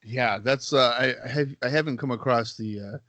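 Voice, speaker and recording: A podcast host with a stuffy head cold chats in an easygoing, joking way on his own mic over an internet call. His mid-range voice is a bit bright, at normal speed, in a dry recording.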